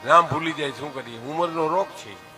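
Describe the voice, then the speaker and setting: Older Gujarati man, bright and high. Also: normal speed, faint music behind. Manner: addresses the audience as "saheb", recites couplets with emphasis. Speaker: Gujarati folk storyteller. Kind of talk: dayro folk storytelling and moral talk.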